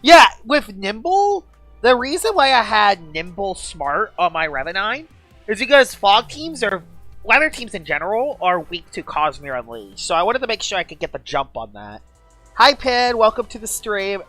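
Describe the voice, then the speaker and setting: Woman streamer, gushing and chatty; animated delivery, dry close sound. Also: mid-range voice, moderate pace, no room sound, faint music behind. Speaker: game streamer. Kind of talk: casual live-stream chat.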